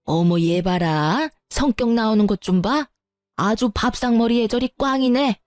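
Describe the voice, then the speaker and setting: A woman's voice: on the high side, unhurried, a little mellow, no room sound, clean studio sound, natural voice. A woman voicing a scornful, nagging middle-aged mother-in-law who sighs and belittles. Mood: scolding. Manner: sighing, sneering, belittling.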